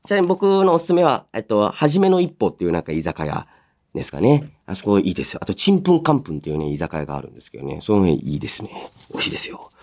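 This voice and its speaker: A man in his thirties hosting a radio show, chatting casually and reacting as he goes, in an animated, talkative way. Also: fairly low pitch, racing. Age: 30s. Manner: animated, chatty, interjects own reactions while reading. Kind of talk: casual radio chat, reading listener mail and reacting.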